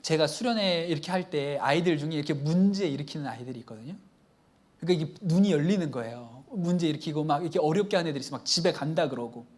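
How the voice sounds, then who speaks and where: A middle-aged male pastor preaching a Friday evening sermon, telling stories lively and acting out bits of dialogue. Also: on the high side, fast. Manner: lively storytelling, acts out dialogue.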